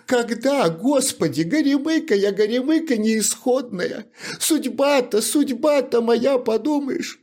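In this storybook reading, a wordy, self-pitying shoemaker, put on by a man, complains in a high, strained, plaintive voice that climbs far above the reader's own. His lament swings widely up and down. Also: darkish tone. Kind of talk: audiobook character reading.

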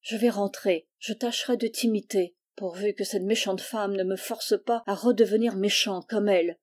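A woman's voice: medium pitch, fairly even intonation, normal speed, darkish tone, natural voice. A woman voicing a hot-tempered but tender-hearted orphan boy in a storybook reading, earnest and emotional.

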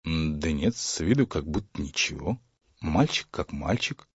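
Man doing a bewildered old dad, cautious puzzled questions, lively voice, dry slightly dull sound. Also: low-pitched, normal speed, breathy edge, dry recording, heavily acted. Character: bewildered old father, mild, flustered.

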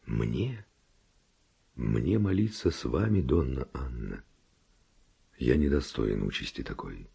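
Bold romantic spanish nobleman in a radio play, gravelly dark voice, swoops around theatrically. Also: extremely low pitch, animated, takes it slowly, pauses often, heavily acted. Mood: reverent, ardent. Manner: ardent, declamatory. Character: bold, passionate Spanish nobleman, a seducer posing as humble hermit. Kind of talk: theatrical verse radio drama.

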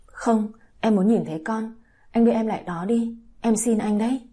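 A desperate young mother in an audio story, pleading through sobs, as a woman narrator plays her. The voice is husky and mellow. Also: a little high, normal speed. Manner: pleading, sobbing. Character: young mother, frantic and sobbing.

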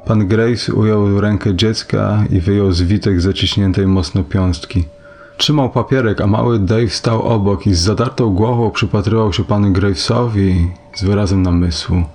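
A man narrating a short story as an audiobook, in a measured, even reading. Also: on the low side.

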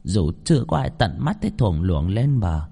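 A man voicing a shrewd, stern woman healer who speaks in a low, measured voice. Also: very animated, gravelly, warm tone, husky, heavily acted. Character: shrewd middle-aged female spirit healer, stern.

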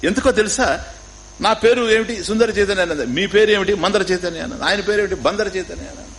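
A man's voice: high-pitched, quick pace, a bit bright, slight background noise, low-quality recording. A man with a Telugu accent giving a spiritual discourse on scripture, teaching through questions and repetition and mixing in English words. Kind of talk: Upanishad discourse.

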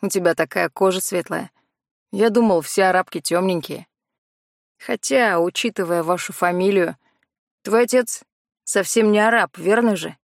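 Cocky teen schoolboy in a storybook reading, teasing and sure of himself, voiced a touch low and set back from the mic, as a woman puts him on. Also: normal speed, gravelly, no echo, clean studio sound, lightly acted. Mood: curious. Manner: teasing, self-assured.

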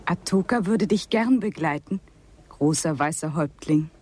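A woman's voice: on the low side, moderate pace, dark tone, husky. An actress playing a bold young Native American girl in a radio drama, teasing in formal phrases. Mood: willing. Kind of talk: German radio drama acting.

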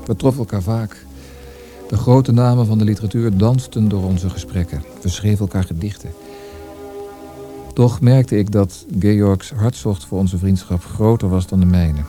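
A reflective young poet in a radio play, acted by a man. The voice is lowish and very warm, with no edge at all. He speaks with measured, polite reserve over faint music. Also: close to an everyday voice. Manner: measured, courteous, somewhat hesitant. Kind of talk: Dutch radio drama acting and narration.

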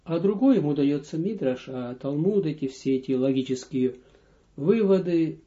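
A man's voice: a little high, expressive, moderate pace, warm tone. A man, a rabbi, giving a spoken lesson, reading short lines aloud and then explaining them step by step. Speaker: rabbi teaching a text. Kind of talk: slow spoken Torah lesson. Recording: dull lo-fi audio lesson recording.

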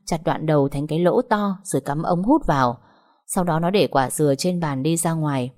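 Brief: female narrator, low warm voice, steady dramatic storytelling.

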